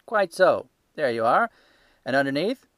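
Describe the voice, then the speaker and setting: A man voicing a gruff, blustering male poultry salesman at a market who shouts and hectors. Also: medium pitch, very animated, a little slow, dry recording, pitched above the performer's own voice. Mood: boastful.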